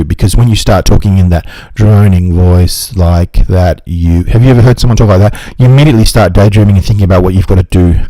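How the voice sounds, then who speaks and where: Fast-talking man with a low voice. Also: warm tone, no room sound, rough recording. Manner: quick and earnest, with frequent restarts. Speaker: book review channel host. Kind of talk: casual talk to camera.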